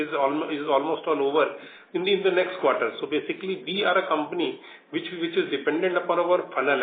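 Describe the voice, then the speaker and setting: Indian company executive on a roomy phone line. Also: male voice, a little high. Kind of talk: answering questions on an earnings call. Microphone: conference call phone. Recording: roomy, noisy narrowband conference phone line.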